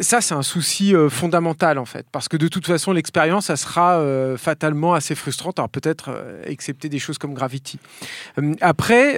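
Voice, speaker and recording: A man's voice: fairly high pitch, no room sound, studio quality. A man chatting as a film podcast panelist, hesitant and repeating filler phrases. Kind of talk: casual chat.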